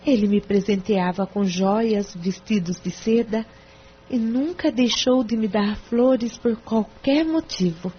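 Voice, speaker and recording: A woman's voice: fairly high pitch, slow. A woman voicing a reserved, hesitant wealthy wife confiding in her lawyer. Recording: dull lo-fi with faint hum.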